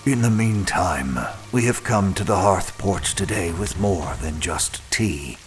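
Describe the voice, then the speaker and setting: An actor playing a composed, evasive keeper of a mysterious prison manor, formal and guarded, in an audio drama. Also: male voice, low voice, expressive, measured pace, faint music behind. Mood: diplomatic.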